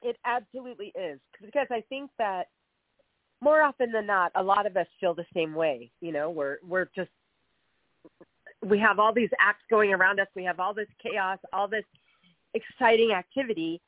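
A woman's voice: medium pitch, normal speed, no room sound. A middle-aged woman hosting a radio interview, upbeat and chatty, stuffed up with a cold. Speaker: radio show host. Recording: tinny phone-like radio audio with faint music.

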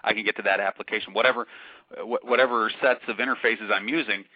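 Male podcast co-host, lowish voice, thoughtful and halting; dull, dry lo-fi audio. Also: fairly even intonation, no room sound. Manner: thoughtful, explanatory, halting with restarts. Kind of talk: casual discussion of science news.

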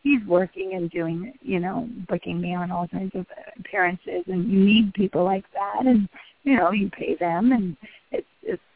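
A woman in her thirties with a husky voice, an actress guest talking casually in a rambling, chatty way with many restarts. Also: fairly low pitch, fairly even intonation, moderate pace. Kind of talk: phone interview. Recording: tinny phone line.

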